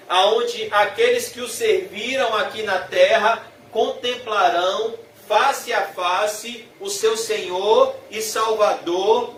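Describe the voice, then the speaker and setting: A man with a Brazilian Portuguese accent preaching a sermon, emphatic, stretching his phrases slowly as his passion rises. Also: high voice, fairly bright tone, a little hiss or hum. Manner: emphatic, drawn-out slow phrases rising in passion. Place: church hall. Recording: echoey hall, mic from far off.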